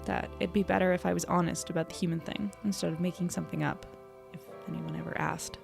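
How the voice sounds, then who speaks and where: A woman's voice: lowish voice, fairly even intonation, quick pace, vocal fry, music in the background. A woman playing a candid, self-deprecating young journalist, reflective and a little hesitant, in a confessional audio drama diary. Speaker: lead actor and narrator of an audio drama.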